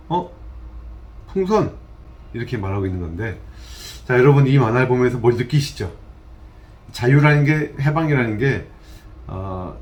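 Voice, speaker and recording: A man lecturing as a professor of systematic theology, speaking in a measured way and putting rhetorical questions to his students. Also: medium pitch, a little mellow. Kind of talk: recorded university lecture.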